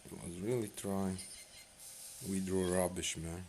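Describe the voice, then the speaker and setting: Slow, gravelly man. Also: deep voice, fairly even intonation, darkish tone, slight background noise. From Bosnia and Herzegovina. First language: Bosnian. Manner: laid-back, musing aloud to himself. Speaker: mobile game streamer. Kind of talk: casual gameplay commentary.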